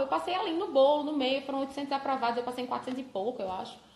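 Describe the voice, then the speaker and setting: A woman's voice with audible room echo. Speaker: federal government lawyer. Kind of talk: casual chat. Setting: live video stream. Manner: fast.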